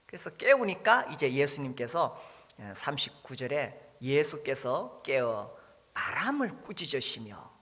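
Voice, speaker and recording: A man's voice: mid-range voice, very animated, a little slow, fairly bright tone. A man preaching a sermon as pastor, musing aloud with frequent "ah" and "uh" fillers. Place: church sanctuary. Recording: long reverb of a hall.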